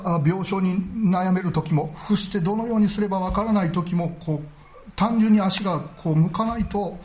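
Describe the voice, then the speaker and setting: A man preaching a sermon as pastor, earnest and measured, often padding his sentences with small filler words. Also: fairly high pitch, a little mellow, a little hiss or hum.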